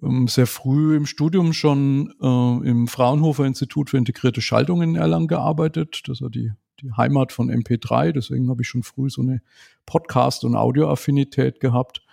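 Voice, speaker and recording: A man in his forties answering interview questions in a measured, reflective way. His voice has a gravelly edge and a dark, relaxed color. He often ends his points with a small questioning tag. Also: medium pitch. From Germany. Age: 40s. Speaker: podcast guest. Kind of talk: casual conversational interview.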